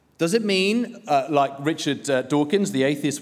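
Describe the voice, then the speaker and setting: The man speaking uses lively intonation. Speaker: preacher. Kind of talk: sermon. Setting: church.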